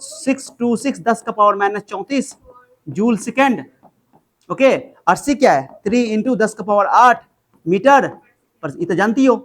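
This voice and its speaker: A man with a high-pitched, slightly bright voice and lively intonation tutors chemistry a little slowly. He speaks Hindi mixed with English terms, repeats formulas, and scolds his student in this informal lesson.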